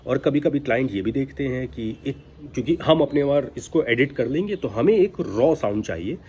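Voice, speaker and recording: Outside ambient noise fills this clip, captured by a device's built-in microphone rather than an external one. The man, a voice-over coach, gives informal, emphatic, admonishing instruction with rhetorical questions. His medium-pitched voice is expressive and slightly mellow at normal speed, with the highs cut off.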